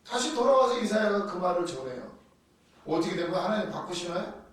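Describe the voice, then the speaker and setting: A man preaching a sermon, telling Bible stories in a lively way and acting out the quotes. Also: high-pitched, a little fast. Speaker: pastor. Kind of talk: sermon teaching on doctrine. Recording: echoey hall from far off.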